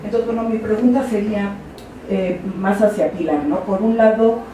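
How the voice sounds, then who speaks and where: An audience member asking a question at a panel, halting and searching for words. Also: mid-range voice, mellow. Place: large lecture hall. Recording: distant voice in an echoey hall, audible noise.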